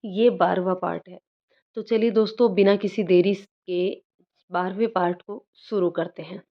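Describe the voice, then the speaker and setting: A woman hosting a story channel, reading the narration in a steady storybook manner. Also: medium pitch, normal speed. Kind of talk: scripted narration. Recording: dull lo-fi recording.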